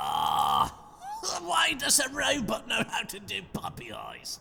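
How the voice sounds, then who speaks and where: A man in a put-on character voice over clear background noise. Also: fairly slow pace. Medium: audio drama. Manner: profane, flustered.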